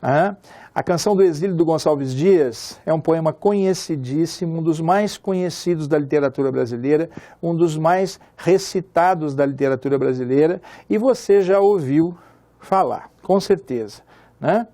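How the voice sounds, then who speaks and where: Brazilian man, literature teacher, chatty, slightly high mellow voice. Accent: Brazilian Portuguese. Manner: chatty, asks class for agreement; slows to recite poem lines. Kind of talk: literature lesson.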